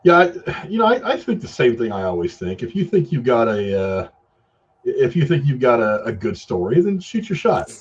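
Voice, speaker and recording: A middle-aged man casually giving his opinions in a film discussion, haltingly repeating and rephrasing himself for emphasis. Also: mid-range voice, sing-song, husky. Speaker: film review show host. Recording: dull, lo-fi sound.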